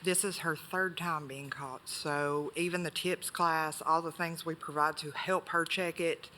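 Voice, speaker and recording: A woman's voice: sits low, steady tone, a little slow, pushed and bright, slight background noise. Curt, defensive woman business owner. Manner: curt, defensive short answers. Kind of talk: answering questions at a hearing. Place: county board meeting room.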